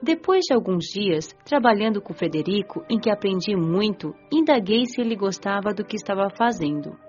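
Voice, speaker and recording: Actress for curious young female spirit narrator; expressive, animated pitch, earnest storytelling; lo-fi audio over music. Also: normal speed, close to an everyday voice. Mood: wondering. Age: young adult. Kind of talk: scripted first-person audiobook narration.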